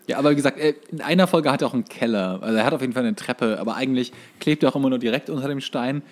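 A man's voice: mid-range voice, very fast. A man co-hosting a podcast, explaining and recounting in a casual conversational style. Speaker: podcast co-host. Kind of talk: casual chat, explaining cartoon episodes.

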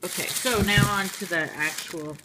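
A woman's voice: lowish voice, moderate pace. A woman vlogger, just woken up, rambling casually through a tea haul. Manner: rambling, giggly, playful. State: just woke up, groggy. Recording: noisy home video.

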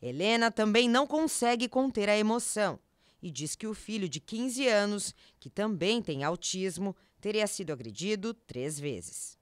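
A woman reporter reading a scripted TV news report in a measured, solemn tone. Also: medium pitch, lively intonation, clean tone, no room sound, clean studio sound.

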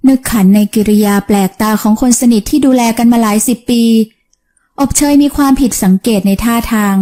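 A woman narrating a romance novel for an audiobook in a gentle, even storytelling manner. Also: fairly high pitch, a little fast.

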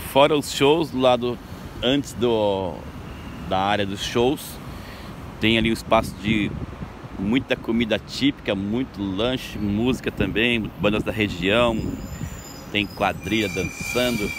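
Slow-paced and slightly low-voiced, a Brazilian tour guide vlogger chats upbeat and casually to his viewers. He narrates outdoors on a seaside boardwalk at sunrise, recorded on a phone, with passing cars and street noise coming through clearly behind him.

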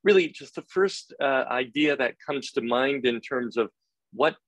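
A middle-aged man moderating a webinar panel over a video call, speaking politely and in a measured way, with fillers. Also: medium pitch, lively intonation, no echo. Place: office room, indoors.

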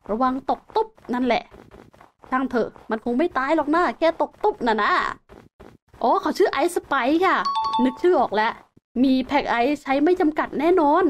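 A young woman hosts a survival game video in casual Let's Play commentary, chatting to viewers and exclaiming as she explores. Her voice is high-pitched, with slight background noise.

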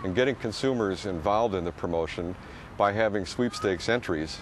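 A man's voice: on the low side, moderate pace, a little hiss or hum. A man representing a company, explaining steadily in an outdoor interview.

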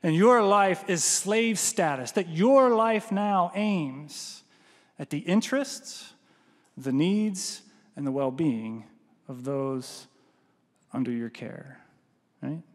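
A man in his thirties delivers an animated sermon as pastor, his voice pitched notably high for a man. He talks on a headset mic, often checking in with "right?", and the sound hangs in a long reverb from the large church hall. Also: slow pace. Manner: animated, gestures broadly, often adds "right?".

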